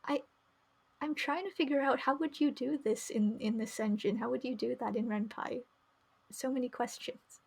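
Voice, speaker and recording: High-voiced woman streaming a visual novel. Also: normal speed, vocal fry, darkish tone, husky. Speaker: game streamer. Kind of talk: live read-aloud narration with casual commentary. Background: faint music.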